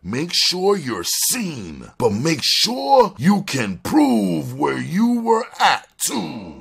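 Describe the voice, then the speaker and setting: A man's voice: fairly high pitch, huge pitch swings, extremely slow, creaky, slightly rough, pitched above the performer's own voice, exaggerated voice. A man voicing a cool, commanding street gang boss in a crime audiobook, emphatic and slangy.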